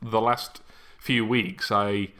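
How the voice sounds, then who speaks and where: A man's voice: lowish voice, fairly even intonation, slow pace, sharp tone. A man chatting casually as a podcast host, with a wry, self-deprecating manner. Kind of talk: casual chat.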